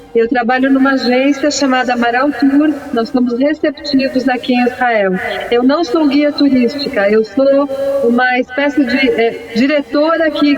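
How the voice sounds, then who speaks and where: A woman's voice: high-pitched, lo-fi sound. A woman from São Paulo with a São Paulo accent, a correspondent explaining things steadily in an interview, with small restarts. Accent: São Paulo Brazilian Portuguese. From São Paulo, Brazil. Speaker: correspondent guest. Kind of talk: interview answers.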